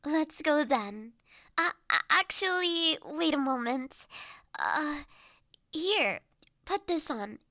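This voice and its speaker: High-voiced, unhurried noblewoman, acted by a woman. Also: dry recording, studio quality, full character voice. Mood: firm, then considerate. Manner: formal, genteel phrasing, measured with soft trailing endings. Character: refined young noblewoman, mine overseer, poised, authoritative yet kindly. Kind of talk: scripted audio roleplay addressed to listener.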